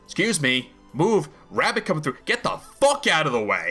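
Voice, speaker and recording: Shouting in a put-on character voice, a man speaks at a moderate pace and a high pitch with very wide pitch swings, faint music in the background. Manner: shouting, brusque.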